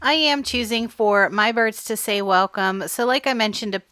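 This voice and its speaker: A woman from Pennsylvania hosting a craft tutorial in voice-over, her voice a bit hoarse from allergies, explaining each step in a friendly way. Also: on the high side, normal speed, sharp tone, dry recording. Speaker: craft channel host.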